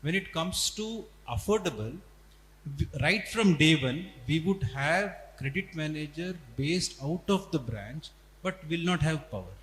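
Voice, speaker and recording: A man's voice: on the high side, animated, measured pace, fairly bright tone. A man with an Indian accent, a company executive on an earnings call, explaining things step by step with emphatic repetition. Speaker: company executive answering analysts. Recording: echoey reverberant hall, faint noise and hum.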